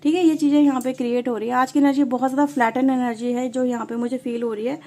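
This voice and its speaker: Woman, high and mellow voice; chatty tarot reader talking to viewers. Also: steady tone, quick pace. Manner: conversational, mixes English words, addresses viewers often. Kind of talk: casual tarot reading to viewers.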